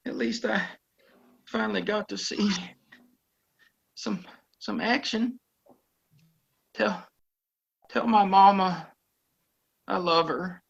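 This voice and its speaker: A woman playing a wounded, earnest young male cowboy in a Western audio play, weak, pained and halting. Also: mid-range voice, vocal fry, husky, lo-fi sound, full character voice. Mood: dying, pained. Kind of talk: Western audio drama acting.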